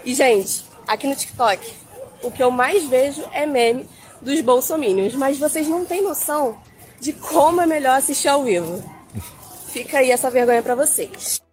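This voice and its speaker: A woman's voice: high-pitched, expressive, moderate pace. A woman giving scornful, gossipy live commentary while filming a protest camp outdoors on her phone. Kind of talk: mocking live street commentary. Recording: phone video with loud outdoor noise.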